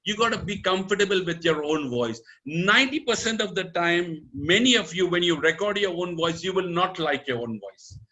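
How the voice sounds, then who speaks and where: An Indian man in his fifties coaches an audience on public speaking with a bright, forceful voice pitched a little high. He talks emphatically and swings his pitch up and down. He drops Hindi words into his English. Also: lively intonation, normal speed, hardly any pauses, low-quality recording. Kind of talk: motivational talk.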